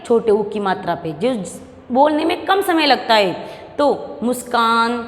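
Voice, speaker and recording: A woman's voice: a little high, very animated. Echoey Hindi teacher drilling her pupils. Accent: Rajasthani Hindi. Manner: asks questions and answers them herself, repeats words slowly. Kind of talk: classroom lesson for young pupils. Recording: echoey room with long reverb.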